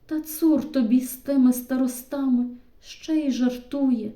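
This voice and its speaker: A woman's voice: high voice, unhurried, mellow, roomy sound, voice pushed up. A woman voicing a loving young village girl who pleads emotionally in an audiobook reading. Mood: flustered.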